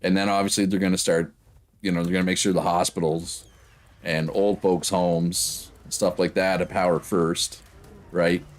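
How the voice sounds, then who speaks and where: A man's voice: sits low, flat delivery, moderate pace. A man with a Prince Edward Island Canadian accent chatting casually to viewers on a game livestream in a rambling way. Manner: rambling, often checks with "right?".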